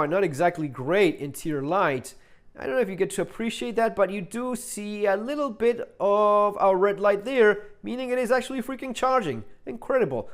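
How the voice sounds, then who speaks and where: A man giving a casual, unscripted gear review, rambling and halting as he thinks aloud. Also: fairly high pitch. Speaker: product reviewer, channel host. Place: indoors.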